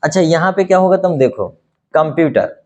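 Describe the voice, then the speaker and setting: Man, native Hindi speaker, English teacher, fairly high voice, patient explaining, rhetorical questions. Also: animated, a little fast, darkish tone, muffled recording. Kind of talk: spoken English lesson.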